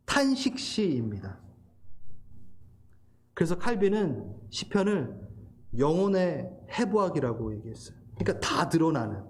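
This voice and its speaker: Male pastor, middle-aged, higher voice, very expressive pitch, laughs through stories, earnest sermon. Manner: laughing, emotional storytelling turning to earnest preaching.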